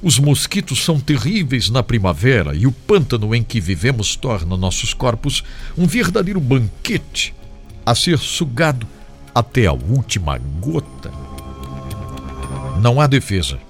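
A man giving an expressive, dramatic reading of a first-person memoir as a devotional reader, slowing for solemn moments. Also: mid-range voice, faint music behind.

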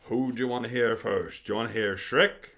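A man's voice: medium pitch, fairly even intonation, brisk, creaky, a bit bright. A man hosting a comedy podcast, joking and laughing through casual banter. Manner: laughing, jokey, swears freely. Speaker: podcast host.

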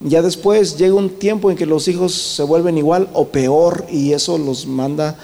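A man with a high voice preaches a sermon to his congregation, often stopping to ask them questions. The long reverb of the church hall rings around every phrase. He drops the English word "brother" into his Spanish here and there. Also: fairly even intonation, moderate pace, gravelly, warm tone. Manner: questions the congregation often, tagging lines with "¿verdad?".

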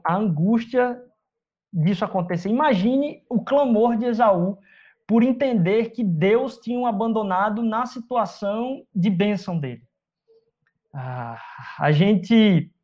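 Um pregador com sotaque brasileiro prega de forma coloquial e direta, cheio de perguntas retóricas e um ritmo de conversa. A gravação soa abafada e de baixa fidelidade. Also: medium pitch. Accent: Brazilian Portuguese. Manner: conversational, rhetorical questions. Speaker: preacher. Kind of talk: sermon. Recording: dull lo-fi recording.

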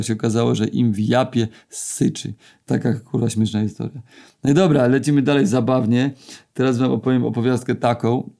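A man's voice: mid-range voice, vocal fry, dark tone. A man telling casual real-life anecdotes as a storyteller, rambling, swearing constantly and full of fillers and restarts.

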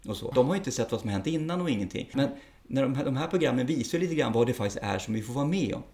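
A man's voice: medium pitch, animated, a little mellow. A middle-aged man, a police officer, speaking frankly and bluntly in a casual interview, with the odd curse word. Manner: frank and blunt, plain-spoken with occasional swearing.

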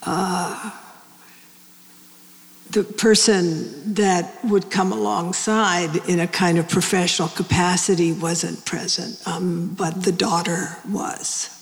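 In a large hall with long reverb, a woman in her seventies gives a reflective public talk on end-of-life care. Her voice is on the low side and steady, her delivery slow and halting, full of pauses and restarts as she searches for words.

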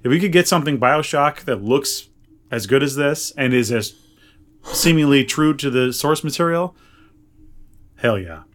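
A man's voice: mid-range voice, animated, normal speed, long pauses. A man co-hosting a podcast in casual chat, talking in a rambling, opinionated, conversational way. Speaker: podcast co-host.

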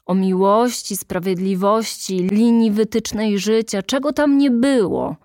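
Slow, measured woman audiobook narrator. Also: medium pitch, darkish tone, no room sound, studio quality. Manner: measured, deliberate, dramatic pauses. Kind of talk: literary audiobook reading.

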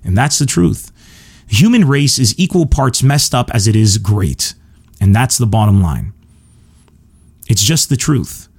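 Answering listeners' questions on his solo podcast, the Lebanese comedian speaks at medium pitch and a measured pace, animated yet marked by long pauses. His darkish tone is slightly rough with vocal fry, and he comes across as earnest, emphatic and confident.

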